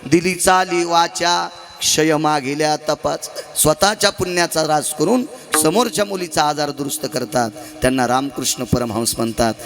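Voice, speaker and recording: A man preaching a devotional kirtan sermon, telling stories dramatically with sudden swings in pitch and loudness, asking the audience rhetorical questions and stretching some phrases into a half-sung chant. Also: normal speed, creaky, soft background music.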